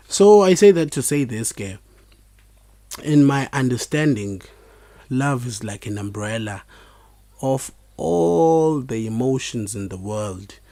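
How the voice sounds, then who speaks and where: A man with a Xhosa South African accent hosts an informal podcast, speaking in a halting, reflective way. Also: fairly low pitch, mellow, dry recording. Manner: halting, reflective delivery with repeated words. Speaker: podcast host. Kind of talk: informal solo podcast talk, mixing two languages.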